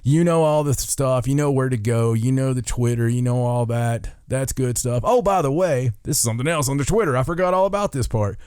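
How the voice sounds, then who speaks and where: A man's voice: medium pitch, brisk, hardly any pauses, a little mellow, clear, resonant tone, dry recording, clean studio sound. A man hosting a podcast in casual, rambling, jokey chat, full of enthusiasm. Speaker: podcast host.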